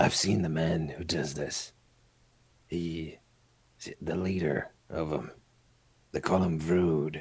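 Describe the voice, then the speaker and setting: A man's gruff, put-on character voice, very deep and low in pitch, at a fairly slow pace with long, frequent pauses. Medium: actual play. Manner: gruff, terse.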